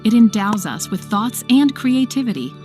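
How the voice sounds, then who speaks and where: A woman's voice: fairly high pitch, very animated, moderate pace. A woman reading a scripted educational narration as a video narrator. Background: soft background music.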